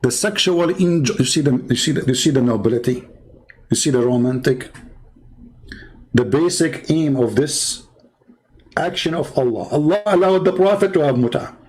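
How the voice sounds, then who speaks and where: A man's voice: fairly high pitch, normal speed, darkish tone, a little hiss or hum, low-quality recording. A middle-aged man giving sarcastic commentary in broken English, reading from a website and mocking what he reads. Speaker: online religious debater.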